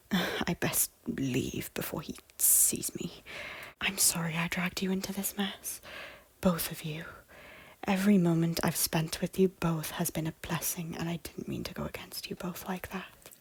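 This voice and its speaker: A woman playing an anguished, guilt-ridden noblewoman in an audio drama, with a breathy, often hushed voice and a halting, emotional delivery. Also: on the low side, fairly even intonation, no room sound, in a whisper. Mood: hushed regret. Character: anguished, guilt-ridden noblewoman, Macbeth's wife, fragile but defiant.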